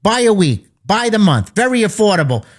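A man hosting a sports betting radio show, pitching fast and direct to listeners, his voice a little worn. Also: big pitch swings. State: slightly losing his voice. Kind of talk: radio talk with sales pitch.

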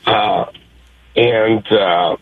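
A hoarse, excited man from New York calling in to a sports show, rambling with lots of fillers. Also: fairly low pitch, very slow, slight background noise. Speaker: caller. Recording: tinny phone line.

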